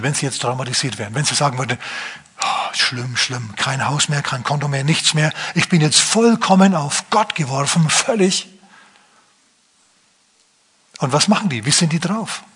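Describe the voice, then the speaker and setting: A man preaching a sermon, animated, now and then mimicking complaining voices in a higher pitch. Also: breathy edge.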